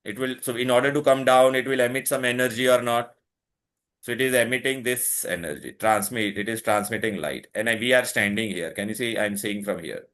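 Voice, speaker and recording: A man's voice: mid-range voice, brisk, a bit bright. A man with a South Asian accent teaching a one-on-one lesson, switching between English and Hindi and repeatedly quizzing the student with checking questions. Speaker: chemistry tutor.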